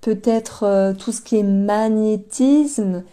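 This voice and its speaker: Dark-voiced woman giving a chatty tarot reading. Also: mid-range voice, slow. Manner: chatty, hesitant, thinking aloud, addressing viewers directly. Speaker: tarot card reader. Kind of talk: casual tarot reading to camera.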